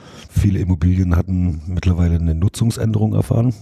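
A man's very deep, low voice, dark and mellow in tone and somewhat breathy, at a moderate pace. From Saxony. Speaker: cultural association member. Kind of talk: interview. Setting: in a room at the venue.

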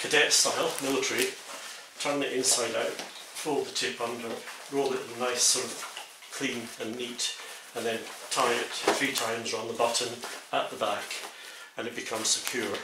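Long, frequent pauses break up a man's moderate pace, with loud background noise and audible room echo around him. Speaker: gear reviewer. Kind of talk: show-and-tell tutorial. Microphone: camera far.

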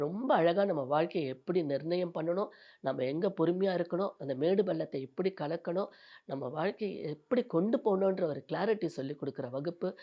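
A woman's fairly low-pitched voice, dark and mellow in tone with lively intonation, over a quiet background. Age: 60s. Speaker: retired teacher, astrology student. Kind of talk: testimonial. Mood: warm, earnest recommendation. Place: home room.

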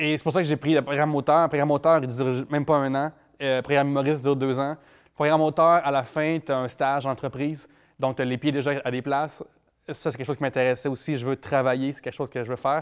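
Very fast, monotone speech from a man with a fairly high pitch and flat intonation. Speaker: comedian. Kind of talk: interview. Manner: halting.

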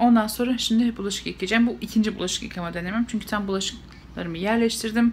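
A woman talks at a very fast pace with light background noise. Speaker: parent vlogger. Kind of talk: casual vlog chat. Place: home room. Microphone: phone near.

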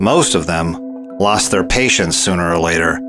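A man is speaking. Music plays in the background. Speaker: narrator. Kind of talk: fiction narration.

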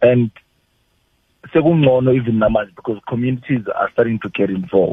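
The speaker has a Zulu accent and a fairly quick pace broken by long, frequent pauses, recorded dry with no echo against a quiet background. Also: man, medium pitch for a man, ordinary pitch variation. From South Africa, Tembisa, Gauteng. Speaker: anti-drug crime show presenter, former mining engineer. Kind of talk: radio interview. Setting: radio studio. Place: studio.

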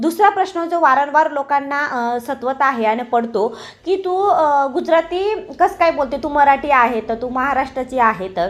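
Nothing can be heard behind the voice in this very clean recording. The intonation moves in a lively way. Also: woman. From Gujarat, India (Marathi family). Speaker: cooking vlogger. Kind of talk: cooking tutorial vlog. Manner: chatty, conversational.

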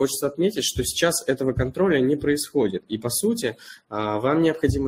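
This man has an ordinary speaking voice and lively intonation. His pace is moderate. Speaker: project manager. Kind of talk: webinar presentation. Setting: online webinar.

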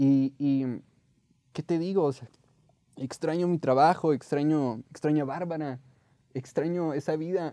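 The voice has a dark, mellow tone, fairly even intonation, and a fairly slow pace. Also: man, quiet background. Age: young. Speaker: rock drummer; interview guest. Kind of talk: interview conversation. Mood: reflective, personal, somewhat hesitant. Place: studio.

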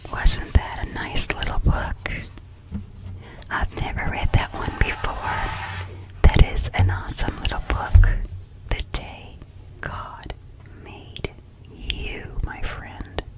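Whispering, a woman speaks at a very slow pace with long, frequent pauses. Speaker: ASMR storyteller. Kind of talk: ASMR whispered bedtime story reading. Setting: home recording, close mic. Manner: whispered.

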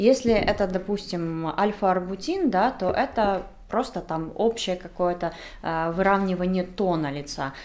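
At a fairly slow pace, a woman uses a normal speaking voice with a medium pitch that varies in an ordinary way. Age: 30s. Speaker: beauty vlogger. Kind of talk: tutorial.

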